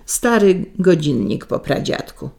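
A sly, long-suffering village husband from a storybook folk tale, voiced by a woman narrator. He speaks slowly and evenly, with a low, gravelly tone. When crossed he snaps out stern warnings. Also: expressive. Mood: calm, sly. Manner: barks sharp warnings.

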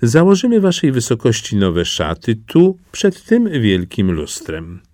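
A man's voice: medium pitch, huge pitch swings, no room sound, clean studio sound. A man doing sly, fawning swindler tailors. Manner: slow, hushed, fawning.

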